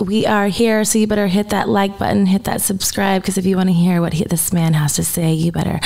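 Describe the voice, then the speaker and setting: Young woman podcast host, enthusiastic and chatty, slightly low voice, close studio mic. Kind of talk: podcast intro and interview. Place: small studio room with couch. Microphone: headset and studio mic on boom.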